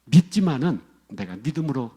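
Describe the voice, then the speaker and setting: A middle-aged man preaching with a lively, swinging delivery and a mellow, slightly husky tone. He presses his points through repetition and keeps calling out to his congregation. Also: mid-range voice, normal speed. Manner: emphatic, repetitive preaching with direct address to the congregation. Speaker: pastor. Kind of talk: sermon.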